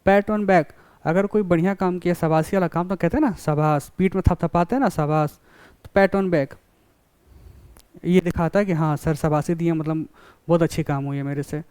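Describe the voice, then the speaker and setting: A man's voice: fairly high pitch, fairly even intonation, moderate pace, darkish tone, smooth, dry recording. A man giving a college lecture, explaining with classroom examples and often checking that students follow.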